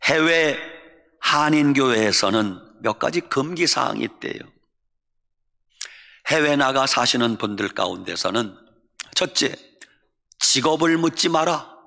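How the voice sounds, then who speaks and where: A middle-aged man from Chungcheong preaching a sermon as a pastor, humorous, mimicking dialects and shouting for emphasis. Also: mid-range voice, lively intonation, a little slow, creaky, pauses often. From Chungcheong, Korea. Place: church sanctuary. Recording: long church reverb.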